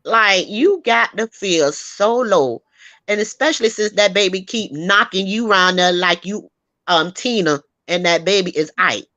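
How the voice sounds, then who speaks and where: A woman hosting a casual gossip chat, talking in an animated, sassy and emphatic way and laughing often. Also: medium pitch, measured pace, no echo. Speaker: host.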